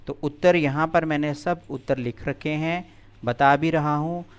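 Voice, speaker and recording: Slow, clear-voiced male teacher. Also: on the high side, steady tone. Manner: slow, deliberate pronunciation drill, then plain explanation. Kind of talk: video lesson, reading out and explaining Sanskrit answers.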